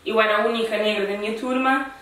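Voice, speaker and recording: Speaking fast in a slightly high, somewhat bright voice with fairly even intonation, a talk show host with a European Portuguese accent chats casually with a friend. The room is very echoey and the mic distant.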